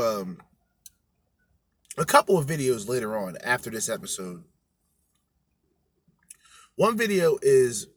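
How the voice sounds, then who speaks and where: A man's voice: mid-range voice, fairly bright tone, husky, no echo. A man co-hosting a podcast, ranting bluntly with heavy swearing. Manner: profane, blunt, emphatic. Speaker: podcast co-host. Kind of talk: crude ranting commentary.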